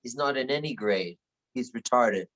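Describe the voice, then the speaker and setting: A mid-pitched voice from a man acting as a teenage bully boy in a screenplay read. He is blunt, curt and menacing. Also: normal speed, fairly bright tone, muffled recording, close to an everyday voice. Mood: sullen, threatening. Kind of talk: virtual table read of a screenplay.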